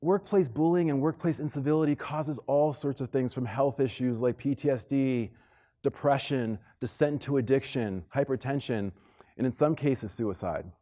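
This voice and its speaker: A man's voice: medium pitch, moderate pace, dark tone. A middle-aged man with an American accent speaks as a keynote presenter at a conference. His delivery is conversational yet emphatic, built on personal storytelling and repeated phrases, in a mid-range voice. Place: live talk on stage to a room of listeners. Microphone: stage microphone.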